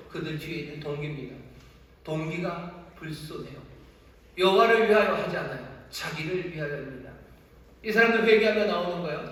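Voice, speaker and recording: A man preaching with fervor in a large church sanctuary. His voice is high for a man, and it carries a long, ringing reverb from a mic set well back from him. He pushes his listeners with sharp rhetorical questions. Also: recorded from a distance. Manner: impassioned, voicing God's rebukes as questions. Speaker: pastor. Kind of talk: sermon.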